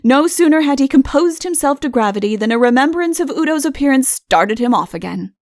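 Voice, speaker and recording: Creaky-voiced woman narrating a story. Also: high voice, expressive, a little fast, a little mellow, no echo, clean studio sound. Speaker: audiobook narrator. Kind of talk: scripted comic fairy tale narration.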